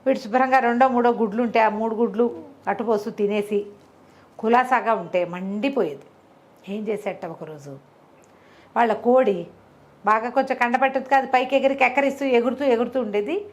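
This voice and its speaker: High-voiced woman telling folk tales. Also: moderate pace. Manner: animated asides, colloquial, acts out dialogue. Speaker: storyteller. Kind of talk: conversational oral storytelling of a folk moral tale.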